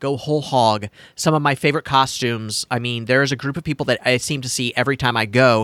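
A man with an American accent in a plain, everyday voice, medium pitch, ordinary pitch variation, fairly quick pace, dry, close sound with no echo, very clean recording with a silent background. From Chicago area, US Midwest. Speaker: podcast host. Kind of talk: casual chat.

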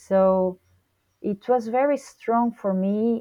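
In a Portuguese accent, a woman speaks with ordinary pitch variation. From Brazil (Joinville). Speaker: physical theater performer. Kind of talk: interview.

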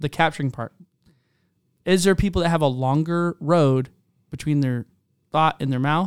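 On a very clean recording with a silent background and a dry, close sound with no echo, a man speaks at a moderate pace. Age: 30s. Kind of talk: casual chat. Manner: animated.

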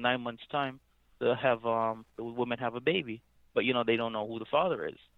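This man speaks with a Jamaican accent at a medium pitch. His pace is moderate and his intonation monotone and flat. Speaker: caller. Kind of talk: phone-in call.

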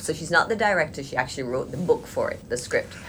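A woman speaks, and audible room echo surrounds her voice. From Jamaica. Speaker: filmmaker and producer. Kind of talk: interview conversation. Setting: in a theater building.

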